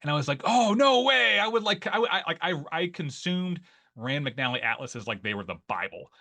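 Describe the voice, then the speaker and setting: A man's voice: fairly high pitch, sing-song, normal speed, creaky, sharp tone. A man in his forties from Northeast Ohio with an Ohio accent, talking as a guest in a casual interview and rambling with many fillers and restarts. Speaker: guest, newsletter writer.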